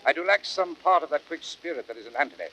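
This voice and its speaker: A man playing a thoughtful, troubled Roman statesman in vintage radio Shakespeare, speaking gravely and formally with a husky voice. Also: fairly high pitch, animated, fast, pushed and bright, soft background music. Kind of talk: 1930s radio Shakespeare acting. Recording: dull, band-limited vintage radio recording.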